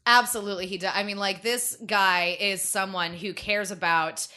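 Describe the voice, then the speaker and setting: Bright-voiced, emphatic woman chatting on a podcast. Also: mid-range voice, fairly even intonation, moderate pace. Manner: emphatic, enthusiastic, conversational. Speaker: podcast co-host. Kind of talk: casual chat.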